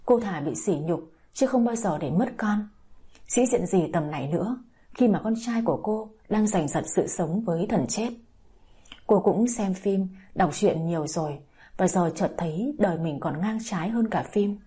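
A woman's voice: lowish voice, animated, moderate pace, dark tone, breathy edge. A woman reading a dramatic audio story, with emotive scripted narration.

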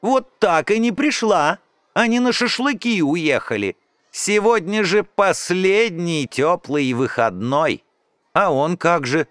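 Storybook schoolgirl, outraged and shrill, high lively voice, as a man puts her on. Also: takes it slowly, no echo, full character voice. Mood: indignant. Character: upset excitable schoolgirl.

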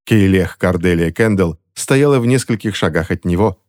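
A man reading a fantasy novel aloud as an audiobook narrator, in a steady, dramatic way. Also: sits low, moderate pace.

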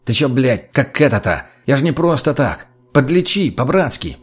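A man's voice: medium pitch, very animated, normal speed, breathy edge. A man voicing a crude, cheeky male junkie who provokes and teases his friends. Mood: taunting.

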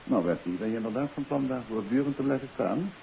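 A man's voice: medium pitch, lively intonation, quick pace, vocal fry. A man playing a confident author-detective in a 1950s radio play, coaxing and insistent as he questions. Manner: urbane, persistent, adds questioning tags. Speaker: radio drama lead actor. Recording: hissy, muffled 1950s radio recording.

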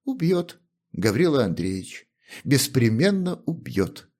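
A man voicing a timid young laundress in an audiobook, speaking quietly and submissively. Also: mid-range voice, big pitch swings, measured pace, voice pushed up. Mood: meek. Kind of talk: audiobook character reading.

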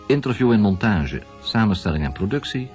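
A man's voice: on the low side, big pitch swings, a little fast, darkish tone, faint music behind. A man reading scripted programme credits as a radio announcer. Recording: dull 1970s radio broadcast.

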